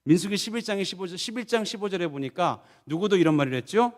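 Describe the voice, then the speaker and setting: Male pastor, middle-aged, high-pitched, preaching in a reverberant sanctuary. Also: lively intonation, quick pace. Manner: preaching with dramatic voiced prayers, dropping low and soft for quoted laments. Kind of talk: sermon. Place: church sanctuary. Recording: long church reverb.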